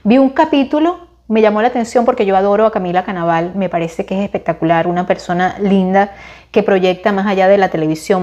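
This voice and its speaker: A woman in her forties with a Venezuelan accent, talking casually to her viewers and giving opinions, chatty and expressive with frequent restarts. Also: mid-range voice. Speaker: vlogger recommending series and films.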